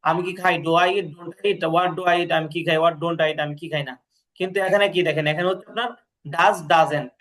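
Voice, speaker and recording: Explaining grammar in a lesson, a man patiently runs English drills, reading each sentence slowly before translating it and checking the student follows. His voice is on the high side, a bit bright, with a steady tone.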